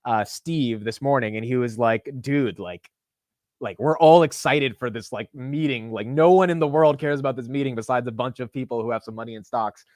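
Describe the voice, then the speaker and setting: A young man with a deep voice hosting a live market stream in casual, animated chat. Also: moderate pace, dry recording, clean studio sound. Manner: animated, says "dude" and "like" a lot.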